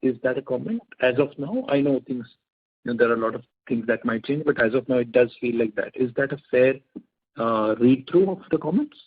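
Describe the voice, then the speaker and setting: A man's voice: mid-range voice, brisk, breathy edge. A man with an Indian accent politely and tentatively putting questions as an analyst on an earnings call. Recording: narrow muffled phone line.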